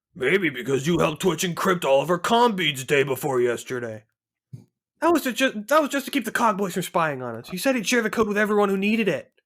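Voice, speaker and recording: In a put-on character voice, a man pitches his speech high and swings it through very wide pitch changes. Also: fairly quick pace. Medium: audio drama. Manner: panicky.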